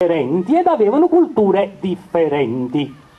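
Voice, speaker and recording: Over noticeable background noise, a man speaks at a moderate pace and a high pitch. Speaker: comedian. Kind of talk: comic stage monologue. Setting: live theatre performance. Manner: ironic storytelling.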